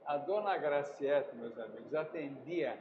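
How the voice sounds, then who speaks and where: An older man, a podcast guest who tells animated anecdotes and acts out the dialogue. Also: on the high side, unhurried. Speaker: meat company owner, guest. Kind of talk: casual podcast chat, storytelling. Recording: roomy, muffled, noisy room sound.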